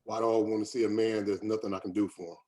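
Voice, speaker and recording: A man's voice: on the low side, flat delivery, fast talker, a little mellow, close to an everyday voice. A man playing a weary, defensive company doctor, bitter and resigned, in a screenplay table read.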